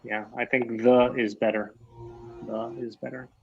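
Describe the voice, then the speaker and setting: A man's voice: mid-range voice, level tone, measured pace, creaky. Canadian man teaching English over a muffled line. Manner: patient, repeats key phrases. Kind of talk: online English lesson.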